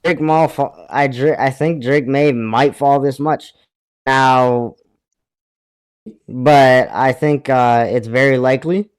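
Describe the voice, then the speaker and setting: Guy on a remote call, clear smooth voice, pauses and thinks out loud about football. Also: mid-range voice. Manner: thinking aloud, hesitant. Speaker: podcast co-host. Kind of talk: casual sports chat.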